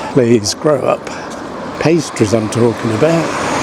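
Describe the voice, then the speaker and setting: A man speaks with an English accent. Background noise is noticeable throughout. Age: 60s. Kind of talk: casual talk to camera while walking.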